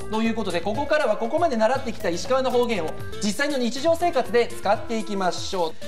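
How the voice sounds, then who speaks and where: Clear music plays behind a man as he talks. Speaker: TV presenter. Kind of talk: TV studio presenting. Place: studio. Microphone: lapel.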